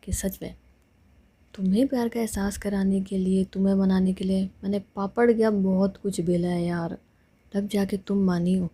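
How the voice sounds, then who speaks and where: A woman's voice: mid-range voice, fairly even intonation, moderate pace, warm tone, slightly rough, close to an everyday voice. A woman voicing a playful young woman in love who teases her girlfriend in a told love story. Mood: teasing. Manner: teasing, joking.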